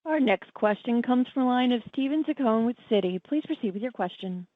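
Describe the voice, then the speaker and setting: A woman's voice: fairly high pitch, lively intonation, brisk, no echo. A woman working as a conference call operator, reading scripted announcements to introduce questioners. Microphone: telephone line. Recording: dry, narrow phone-line audio.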